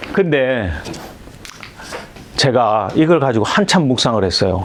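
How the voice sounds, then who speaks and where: A man at medium pitch talks with lively intonation and an animated tone. The recording has noticeable background noise and audible room echo. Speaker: missionary. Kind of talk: lecture. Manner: fast.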